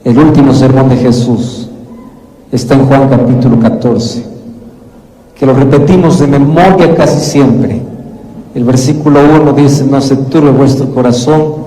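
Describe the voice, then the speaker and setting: Man, preacher, sermon, mellow tone, echoey large hall. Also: medium pitch, steady tone. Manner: measured preaching, rising emphatic when quoting others. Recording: echoey hall with long reverb.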